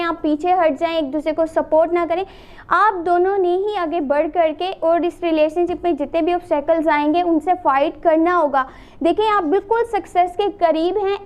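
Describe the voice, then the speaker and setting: A woman from Pakistan gives a tarot reading. She is a little hoarse and advises earnestly, mixing English words into her speech. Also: very high voice, darkish tone. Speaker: tarot reader. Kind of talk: solo tarot reading to camera.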